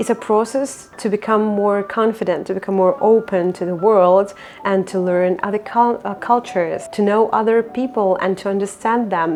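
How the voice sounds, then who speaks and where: Against noticeable background noise, a woman with a slight Russian accent speaks at a moderate pace and medium pitch with fairly even intonation. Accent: little Russian accent in English. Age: 30s. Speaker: YouTuber. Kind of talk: personal vlog monologue. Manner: hesitant, with fillers.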